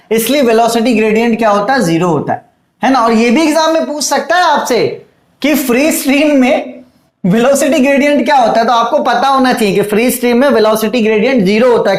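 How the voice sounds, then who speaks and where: In an engineering exam-prep lecture, a man speaks loudly and intensely, treating his students in a fatherly way and dictating definitions slowly, word by word. His voice is very high and reverberant.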